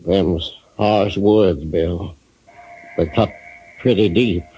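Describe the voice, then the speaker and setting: An actor playing a grieving old salvage engineer who is stubborn and talks in a halting, hesitant way, in an old radio drama. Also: male voice, sits low, steady tone, dark tone, rough recording. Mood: wounded. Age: older. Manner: halting, hesitant, heavy-hearted. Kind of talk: 1950s radio drama acting. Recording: old radio broadcast with faint hiss.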